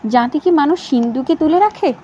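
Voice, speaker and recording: A woman's voice: sits high, animated, brisk, warm tone, pitched above the performer's own voice. A woman voicing a stern older sister-in-law who scolds sharply, in a slightly dull recording with faint hiss. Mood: scolding.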